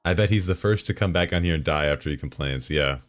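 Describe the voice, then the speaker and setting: A man's voice: a bass voice, fast talker, faint music behind. A male streamer in casual chat, reading forum posts aloud between game loads with sarcastic, chuckling asides.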